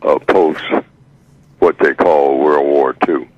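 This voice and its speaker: A man in his eighties speaking by phone as a radio guest over a clipped line, slow and measured with halting fillers. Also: a bass voice, fairly even intonation, no echo. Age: 80s. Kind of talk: radio call-in talk by phone. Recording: dull, dry phone line.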